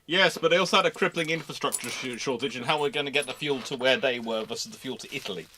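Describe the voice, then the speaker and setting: A man hosting a live question-and-answer talk on history, explaining things informally and discursively, often halting mid-thought. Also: medium pitch, sharp tone, a little hiss or hum. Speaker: host of a live naval history show.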